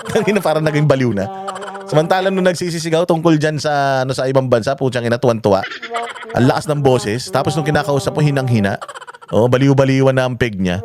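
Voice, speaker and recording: A man from the Philippines talks straight to his viewers in loose, running commentary. His voice sits at an ordinary middle pitch, and his tone is scornful, full of curses and sarcastic questions. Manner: mocking, swears often, rhetorical questions. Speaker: commentary vlogger. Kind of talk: casual political commentary.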